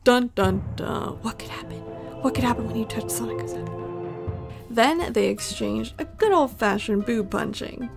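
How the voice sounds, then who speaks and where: Woman, vlog voice-over, chatty and playful, slightly high with vocal fry. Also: moderate pace, over music. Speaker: vlogger. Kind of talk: voice-over narration. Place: home voice-over recording.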